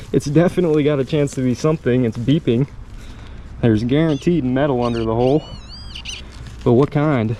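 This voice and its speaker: Mellow, laid-back man vlogging outdoors. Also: mid-range voice, normal speed, long pauses. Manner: laid-back, slangy, musing. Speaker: host of a metal detecting channel. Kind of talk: casual outdoor vlog chat, thinking aloud while searching. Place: outdoors in a park. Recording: outdoor park ambience with clear background noise. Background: park ambience.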